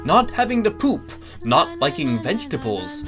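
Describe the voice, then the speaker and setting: A man's voice: wildly swooping pitch, normal speed, over music. A man voicing a bombastic, zealous brute who preaches grandly like a door-to-door salesman in a comic story. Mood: smooth, persuasive. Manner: booming, declamatory, grandly persuasive.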